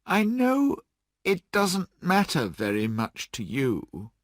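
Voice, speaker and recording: A man voicing a sorrowful young woman who speaks softly and sadly. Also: sits high, wildly swooping pitch, no echo, studio quality, voice pushed up, full character voice. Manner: soft, sad, measured speech.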